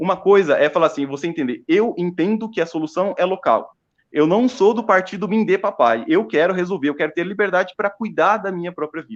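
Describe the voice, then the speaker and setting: A man's high-pitched voice, fairly quick and with lively intonation. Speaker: web radio host. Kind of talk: political talk show. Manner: fast; hesitant fillers.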